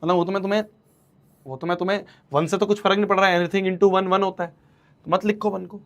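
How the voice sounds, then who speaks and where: A young man teaches a maths lesson with a high voice. He talks playfully, often repeating his questions and teasing his students as he works through problems. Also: steady tone, fast. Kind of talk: online class lecture.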